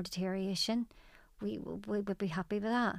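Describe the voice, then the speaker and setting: A woman's medium-pitched voice in a Belfast accent, with monotone, flat intonation. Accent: Belfast Northern Irish. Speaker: widow of a former footballer. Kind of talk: interview about grief. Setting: studio.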